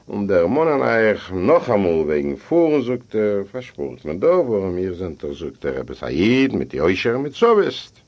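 Low-voiced man reading a story theatrically. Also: sing-song, measured pace, hardly any pauses. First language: Yiddish. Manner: theatrical, voices each character in the dialogue. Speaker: audiobook reader. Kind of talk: expressive first-person storytelling. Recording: dull lo-fi recording.

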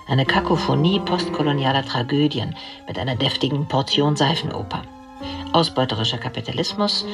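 A man as a factual documentary narrator in a radio drama, reading a script in a measured, articulate way. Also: fairly high pitch, creaky. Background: music.

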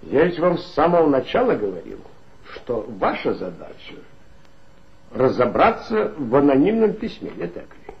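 An actor playing an authoritative male police chief in a 1960s radio play, with a smooth, insinuating, lecturing manner. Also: mid-range voice, wildly swooping pitch, normal speed. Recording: dull lo-fi old radio recording.

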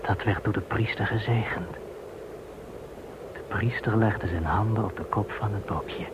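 A man in a radio play acting a devout Jewish man facing deportation, telling things in a solemn, measured way. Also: fairly low pitch, natural voice. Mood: solemn explaining. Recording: muffled phone-like band, clear hiss.

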